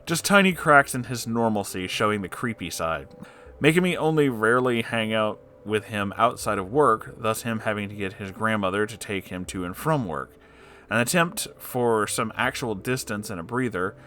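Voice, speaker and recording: A man narrating an online story aloud in a dramatic, expressive way, with candid and sweary interjections. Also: on the low side, normal speed, slight background noise.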